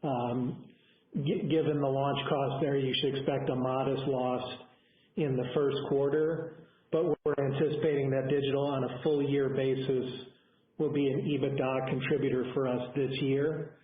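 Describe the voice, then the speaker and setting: A male executive speaks on a thin, phone-like line with a roomy echo. He delivers a financial update to investors, halting now and then and restarting phrases as he goes. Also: medium pitch, level tone. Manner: halting, with mid-phrase self-corrections. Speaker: company executive on an earnings call. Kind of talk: semi-scripted business briefing to investors. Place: conference call over phone. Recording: echoey, band-limited conference phone line.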